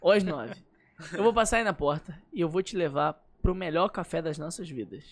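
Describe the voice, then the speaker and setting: A man's voice: fairly high pitch, fairly quick, a little hiss or hum. A young man chatting as a podcast guest, joking and playful, acting out little scenes. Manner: joking, playful, acts out scenes in put-on voices. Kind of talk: casual podcast chat.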